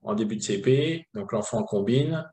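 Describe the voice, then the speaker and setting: Male presenter, low-pitched, patient step-by-step explainer with frequent fillers. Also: expressive, normal speed, mellow. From France. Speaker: teacher trainer presenting a reading method.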